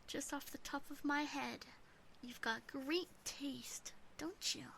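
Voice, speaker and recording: A woman voicing a teasing, obsessive yandere demon sister in an ASMR roleplay, breathy and often whispering, gently doting and possessive. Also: sits high, takes it slowly, slight background noise, heavily acted. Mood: gentle reassuring.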